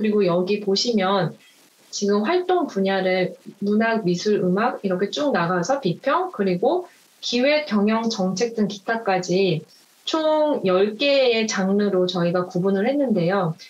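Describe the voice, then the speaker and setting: Very slow in pace, a woman's speech carries lively intonation. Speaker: independent researcher. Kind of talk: presentation. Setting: video call. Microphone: webcam.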